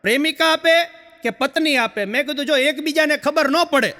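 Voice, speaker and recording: A man doing lively stand-up jokes and teasing the audience. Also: very high voice, fairly quick, in a large hall, heavy background noise. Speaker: stand-up comedian.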